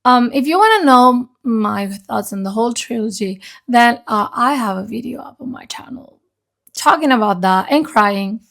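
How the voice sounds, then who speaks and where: A woman's voice: on the high side, animated, normal speed, creaky, fairly bright tone. A woman giving a casual, chatty book review in an informal, sweary way, her voice grainy and unsteady as she recovers. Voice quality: unstable, grainy voice. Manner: informal, sweary, often checks in with "okay?". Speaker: book reviewer, video channel host.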